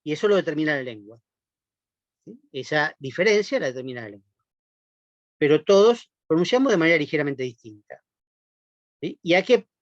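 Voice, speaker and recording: A man's voice: fairly high pitch, no room sound. A man giving a university class lecture, explaining patiently and often checking in with his listeners through tag questions and "eh" fillers. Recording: dull lo-fi, dry recording.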